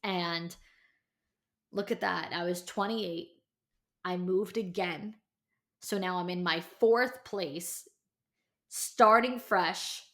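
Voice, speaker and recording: A woman in her thirties with a medium-pitched, fairly bright voice hosts a casual solo podcast. She talks candidly and chattily, dropping lots of "like" and "you know," then urges her listeners on with emphatic encouragement.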